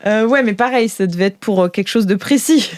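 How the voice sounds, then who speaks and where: A woman's voice: medium pitch, fairly quick, a little mellow. A woman improvising narration as a game master, playful and theatrical, bantering with her players.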